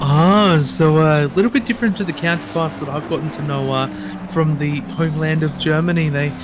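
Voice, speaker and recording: A man's voice: a little high, brisk, heavy background noise. A man co-commentating a sim race, bantering and laughing at himself. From Australia. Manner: laughing, self-deprecating banter.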